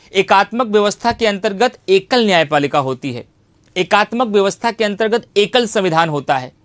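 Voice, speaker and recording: High-voiced man teaching emphatically. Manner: emphatic, repeats phrases for drilling, rhetorical questions. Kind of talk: online exam-coaching lecture on civics.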